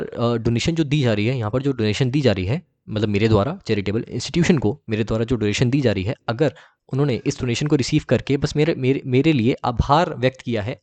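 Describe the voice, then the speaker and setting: Brief: young Indian-accented male tutor, repetitive and reassuring, mid-pitched voice. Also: darkish tone. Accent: Indian English. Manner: repetitive, reassuring, reads rules slowly in English. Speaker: commerce tutor. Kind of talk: exam-prep lecture.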